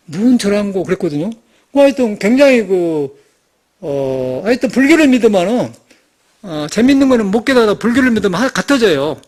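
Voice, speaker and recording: A man, a Buddhist monk, giving an informal, rambling sermon full of rhetorical questions and restarts. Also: high voice. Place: temple meditation hall.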